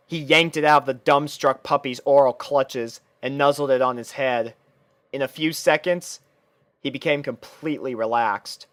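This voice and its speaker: A man's voice: mid-range voice, fairly bright tone, no echo, studio quality. A man reading fan fiction aloud as scripted, storybook-style narration.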